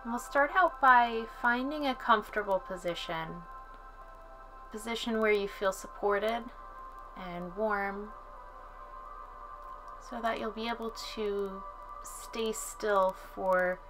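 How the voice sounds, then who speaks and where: A woman guides a relaxation practice in a calm, soothing voice at a medium pitch. She speaks very slowly, leaving long pauses between phrases as a yoga instructor would. Music plays clearly behind her. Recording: soft music under the voice.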